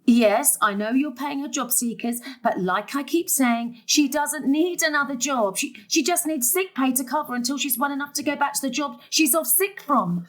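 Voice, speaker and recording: Actress as a high-voiced, exasperated middle-aged mother. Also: moderate pace, hardly any pauses, close to an everyday voice. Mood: strained, pleading. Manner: exasperated, emphatic. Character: harried middle-aged mother caring for family, exasperated, snappy. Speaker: stage actor. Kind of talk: dramatic dialogue in a play.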